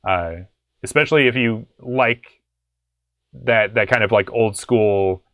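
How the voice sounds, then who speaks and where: A man's voice: fairly low pitch, takes it slowly, a bit bright, no echo. A young adult man hosting a casual music production tutorial, explaining in a laid-back, conversational way. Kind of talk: casual screen-share tutorial. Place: small home studio room.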